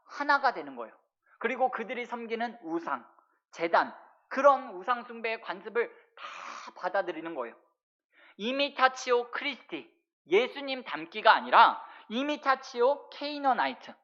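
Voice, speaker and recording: Lively-voiced woman pastor preaching. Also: mid-range voice, dull audio. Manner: addresses the congregation often with rhetorical questions. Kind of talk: sermon.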